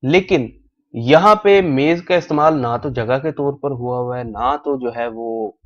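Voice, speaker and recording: Slow-spoken male language teacher. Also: mid-range voice. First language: Urdu. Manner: slow, repeats drill phrases many times. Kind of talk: recorded classroom lecture. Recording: dull lo-fi recording.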